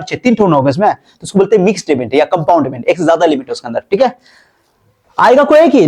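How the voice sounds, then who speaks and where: Man, maths teacher, classroom lesson, high voice, animated, repeats and quizzes. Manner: lively, repeats and quizzes students.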